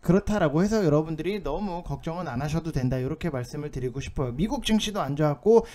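This market commentator talks fast and animatedly in a fairly high, mellow voice. He's running an informal stock market segment over on-screen notes, pressing his explanations with a somewhat urgent insistence.

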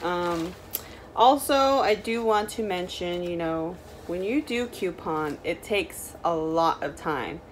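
A woman's voice: fairly low pitch, expressive, takes it slowly, slight background noise. A young woman with a Native American reservation accent, talking in a casual, informal, rambling vlog style. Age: young adult. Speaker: vlogger. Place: small room indoors.

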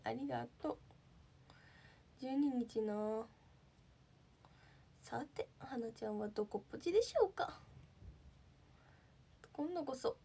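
A woman's voice: high-pitched, mellow, slightly rough. A young woman from Japan, a livestreaming idol, chatting casually and thanking viewers as she reads their comments.

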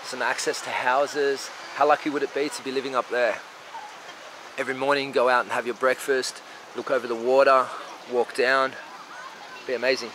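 A man's voice: medium pitch, normal speed. A man in his thirties chatting casually as he films a walking tour on a coastal path and beach, holding the camera at arm's length. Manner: relaxed, chatty, candid. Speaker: travel vlogger. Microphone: camera held at arm's length. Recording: outdoor noise behind voice.

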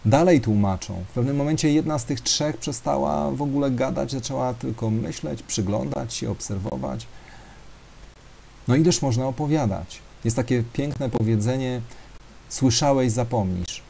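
A man's voice: medium pitch, normal speed, gravelly, dark tone, a little hiss or hum. A man telling a story to an audience, talking hesitantly with fillers and speaking directly to his listeners.

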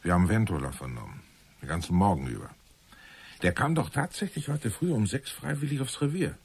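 An actor playing a stern, weary police inspector in a radio drama, questioning with blunt authority. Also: male voice, on the low side, very animated, brisk, slightly rough, full character voice. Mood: tired, matter-of-fact. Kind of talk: German radio drama acting.

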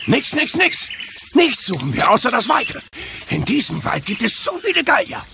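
A boastful coward of a Roman centurion for a cartoon audio play. His voice is shrill and creaky, squawking excitably over clear noise. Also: moderate pace, full character voice. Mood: panicked.

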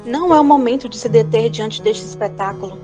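Mocking, commanding priestess played by a woman, Brazilian accent, fairly high, over prominent music in a radio play. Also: brisk, close to an everyday voice. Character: imperious, mocking sibyl priestess of Apollo. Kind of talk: audio drama acting.

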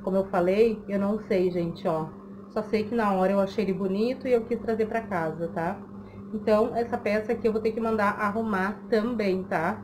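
A woman's voice: medium pitch, fairly even intonation, moderate pace. A woman, chatting casually to camera as a vlogger and often checking in with the listener. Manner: conversational, frequent checking tags to the listener. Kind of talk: casual chat to camera, giving tips. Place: small room at home, indoors. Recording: clearly noisy home recording.

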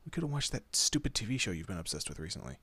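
A man plays a male monster detective in a horror audio roleplay. His voice is low and husky with a bright, forward edge. He talks casually, needling his human partner while looking out for them. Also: big pitch swings, very fast, no echo, full character voice. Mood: teasing, bickering. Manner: casual, teasing, muttered asides. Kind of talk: horror roleplay audio drama, addressing the listener.

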